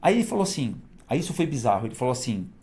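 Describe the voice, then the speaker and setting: A man, a guest telling stories in a casual, animated way and laughing between them. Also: mid-range voice, very fast. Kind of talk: casual storytelling.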